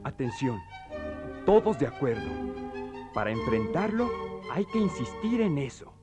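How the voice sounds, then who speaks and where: A man's voice: mid-range voice, sing-song, unhurried, music in the background. A man playing a nervous, scheming farmhand in a theatrical radio play, stammering and repeating his words. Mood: scheming, tense.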